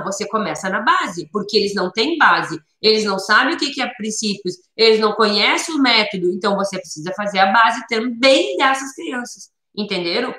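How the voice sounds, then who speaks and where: A woman's voice: a little high, bright, forceful tone, roomy sound. A woman instructor explaining how to teach children, with many tag questions and rephrasings. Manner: explanatory, repeats points with many "né?" tags. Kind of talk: instructional talk.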